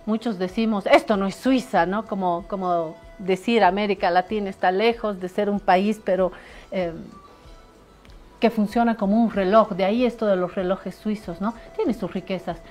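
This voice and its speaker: A woman's voice: medium pitch, steady tone, normal speed, a little mellow, faint music behind. Chatty woman hosting a talk show. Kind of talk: studio interview.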